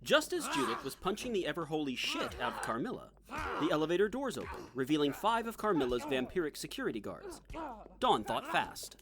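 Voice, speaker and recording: A man's voice: a little high, huge pitch swings, brisk, a crowd in the background. A man reading scripted comic narration as the narrator of an audio drama.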